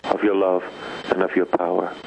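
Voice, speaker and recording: A priest preaching to radio listeners, retelling scripture stories with mimicked voices and then leading a long repeated prayer. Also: male voice, low-pitched, completely flat delivery, moderate pace, creaky, slight background noise. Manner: storytelling preaching, mimics voices, prays in repeated invocations and tongues. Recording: tinny lo-fi radio broadcast.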